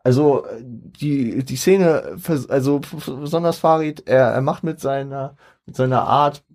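A young man co-hosts a loose podcast conversation, circling his points with frequent restarts and fillers. His voice has a dark, mellow tone. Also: mid-range voice, measured pace. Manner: rambling, many restarts and fillers. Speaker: podcast co-host. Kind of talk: casual chat about rap.

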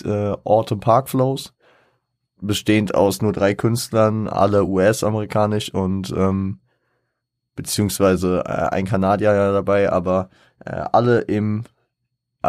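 A man with a lowish voice talks through a casual solo podcast episode, thinking aloud as he goes. He rambles, stops to count things off, and corrects himself often with plenty of fillers. The sound is dry and close, with no room around it. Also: a little mellow, dry recording. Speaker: podcast host.

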